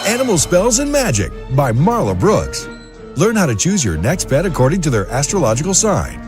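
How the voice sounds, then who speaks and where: A man's voice: a little high, wildly swooping pitch, moderate pace. A man reading a scripted book promo as an emphatic advertisement announcer. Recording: music bed under voice. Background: clear background music.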